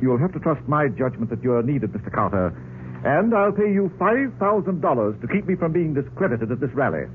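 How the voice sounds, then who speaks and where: A man's voice: a little high, sing-song, brisk. A man playing a pompous, dignified politician with stuffy formal diction and some nervousness under the bluster, in 1940s radio drama style. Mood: anxious, formal. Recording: old muffled 1940s radio recording, hissy.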